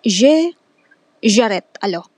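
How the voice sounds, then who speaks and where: A young woman, not a native speaker, talks through a homework podcast in a hesitant, halting way. She speaks very slowly, and her voice is mellow and dark rather than bright. Fillers and restarts break up nearly every sentence. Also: mid-range voice, expressive, no room sound. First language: not French. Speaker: student making a class podcast. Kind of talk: casual monologue.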